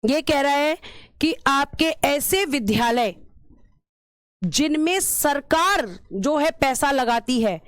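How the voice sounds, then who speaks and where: A woman's voice: sits high, expressive, slow pace, no room sound, clean studio sound. A woman teacher giving an exam-prep lecture, repeating key terms and asking and answering her own questions, calling her students "beta".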